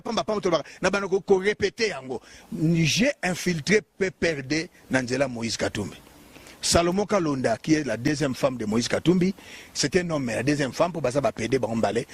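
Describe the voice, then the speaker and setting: A man's voice: on the high side, slightly rough. A man with a Congolese accent, a bishop giving a heated, emphatic, repetitive political monologue.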